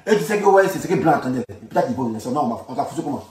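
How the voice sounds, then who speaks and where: A man's voice: mid-range voice, expressive, racing, darkish tone. A man with an Ivorian accent giving informal political commentary, colloquial and repeating phrases for emphasis. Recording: echoey room, distant from microphone.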